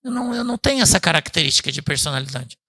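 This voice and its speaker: Man, pastor, bright forceful voice, chatty church sermon, jumps between loud peaks and low asides. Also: very animated, very fast. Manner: chatty, asks the congregation "né?" and calls them "irmão"; swings from loud emphatic bursts to low quiet asides. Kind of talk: conversational sermon. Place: church service.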